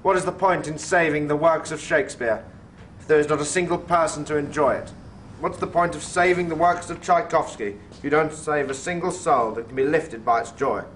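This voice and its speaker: A man's voice: fairly high pitch, a little fast, fairly bright tone, slight background noise, lightly acted. A man playing a preachy government official. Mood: earnest. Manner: frank, preachy, speechifying. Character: earnest male government official. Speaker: government representative. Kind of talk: 1950s B-movie acting.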